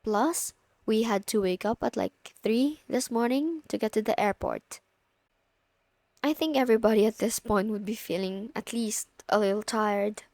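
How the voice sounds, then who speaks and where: A woman's voice: fairly high pitch, normal speed, a little mellow, dry recording, natural voice. A young woman playing a friend's teasing, bossy older sister in an intimate ASMR audio roleplay, casual and lightly exasperated. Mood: tired, insistent.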